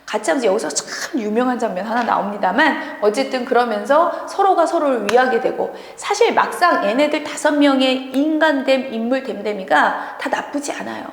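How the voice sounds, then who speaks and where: A woman tutor lecturing students on a literary work in a chatty, animated way, laughing often between points, in what sounds like a classroom. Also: on the high side, moderate pace, few pauses, slight background noise. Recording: echoey room with long reverb.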